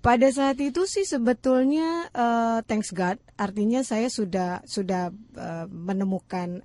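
A radio announcer in her thirties talks as a guest in a studio. Her voice sits slightly high, and she fills her stories with hesitations and easy laughter. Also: measured pace, mellow, dry recording. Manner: chatty, laughs often, tells stories with lots of fillers. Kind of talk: casual studio chat.

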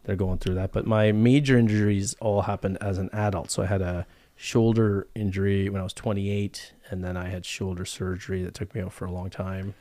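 Male podcast host, 40s, lowish voice, casual and self-deprecating, rambling delivery, close dry studio. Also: little pitch movement, fairly quick, dark tone, no echo.

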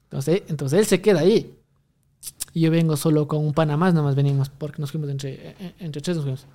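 A man's voice: fairly high pitch, brisk, mellow. A young man, rambling through a story in casual chat, full of restarts and fillers. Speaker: guest telling a story.

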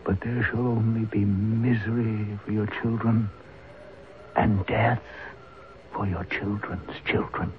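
Slow, solemn old tribal elder. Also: male voice, lowish voice, steady tone. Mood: solemn foreboding. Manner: slow, measured, formal speech. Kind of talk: old-time radio drama acting. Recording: tinny, hissy old radio broadcast.

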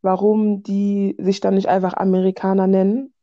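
A woman talking casually about her own views, often halting and searching for the right words. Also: medium pitch, little pitch movement, no echo, highs cut off. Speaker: discussion participant. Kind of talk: casual personal discussion.

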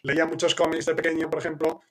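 Husky-voiced man answering listener questions. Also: fairly high pitch, monotone, fast talker, a bit bright. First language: Spanish. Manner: thinking aloud, frequent restarts and fillers; explanatory, checks in with listeners. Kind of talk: live question-and-answer session.

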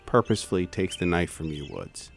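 A low-voiced game master narrates a tabletop horror tale dramatically. Music plays clearly beneath the voice. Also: very animated, brisk. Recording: prominent music under the voice.

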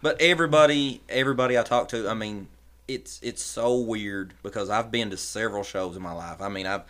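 Halting man chatting about trucks. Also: lowish voice, a bit bright. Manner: plain-spoken, halting. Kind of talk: casual chat.

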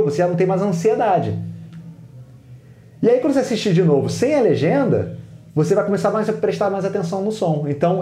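A man's voice: high-pitched, mellow, reverberant, a little hiss or hum. A man with a Brazilian Portuguese accent, a teacher giving tips as a guest in a podcast interview, who acts out what students think. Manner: explanatory, acts out students' inner voices.

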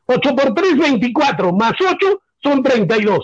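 A Peruvian man in his sixties with a very high voice, arguing in a lecturing, indignant tone and repeating his points. The sound is dry and close, with the dull, lo-fi quality of a radio broadcast. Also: very animated, moderate pace, slightly rough, no echo. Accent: Peruvian Spanish. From Peru. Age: 60s. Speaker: radio sports pundit. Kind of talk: heated radio debate.

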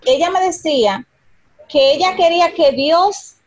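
A woman's voice: very high-pitched, measured pace. A woman hosting a Christian podcast, affirming her guest and chatting casually. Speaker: podcast host.

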